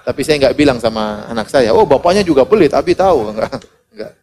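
A middle-aged man preaching a sermon, animated, acting out the people he quotes and swinging between loud and soft. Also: medium pitch, quick pace. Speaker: Islamic preacher. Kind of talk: sermon to a congregation.

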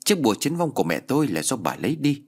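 A man's voice: medium pitch, big pitch swings, fast talker, vocal fry, pitched above the performer's own voice. Man voicing a stern older village man. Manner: stern, accusing.

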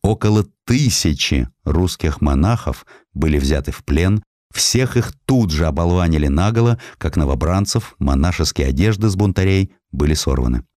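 A man reading a scripted historical story as an audiobook narrator, in a measured, expressive way with deliberate pauses. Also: sits low, no echo, clean studio sound.

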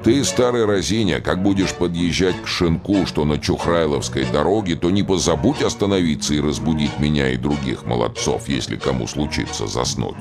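An actor playing a gruff Cossack who barks short orders at the driver in a radio play. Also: male voice, extremely low pitch, moderate pace, few pauses, over music. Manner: curt, commanding.

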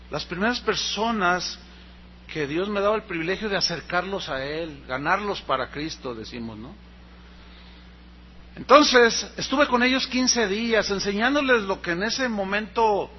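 A Mexican man preaching a sermon, telling a personal story and acting out the dialogue with lively energy. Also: high voice, muffled recording, slight background noise. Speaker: pastor.

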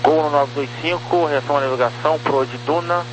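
A man's voice: on the high side, steady tone, fairly quick. A man with a Brazilian accent giving clipped air traffic control instructions over a radio. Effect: radio transmission. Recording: noisy radio channel with hum.

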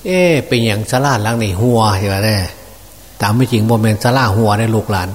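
Unhurried monk in an echoing hall. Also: male voice, fairly low pitch. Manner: folksy, unhurried, with many fillers. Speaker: monk preaching. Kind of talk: Dhamma sermon. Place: open temple hall. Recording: distant reverberant hall with faint noise.

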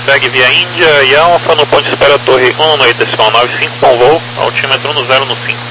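A man's voice: medium pitch, fairly even intonation, fast. A man working as an air traffic controller, giving procedural taxi-style instructions over aviation radio. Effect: aviation radio transmission. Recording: humming aviation radio, faint noise.

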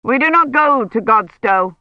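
A man's voice: extremely high pitch, animated, unhurried, dry recording, muffled recording, voice pushed up, exaggerated voice. A narrator voicing a male church envoy who answers curtly and dismissively, in a hurry to leave. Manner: curt, dismissive. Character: evasive, hurried clerical envoy.

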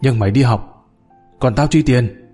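A man's voice: mid-range voice, a little slow, mellow, husky, faint music behind. A man voicing a dying, greedy old official who wheezes, begs and curses. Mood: begging. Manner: wheezing, pleading, cursing.

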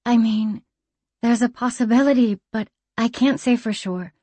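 A woman voicing a careful, deadpan female tinkerer who speaks in a measured, slightly formal way. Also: fairly high pitch, no room sound, pitched above the performer's own voice, close to an everyday voice.

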